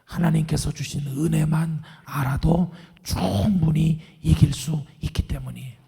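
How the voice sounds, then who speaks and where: A middle-aged male pastor preaching a sermon in a hoarse, raspy, half-whispered voice after vocal cord surgery, calm and earnest. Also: a little high, a little slow. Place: large church sanctuary. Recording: long church hall reverb.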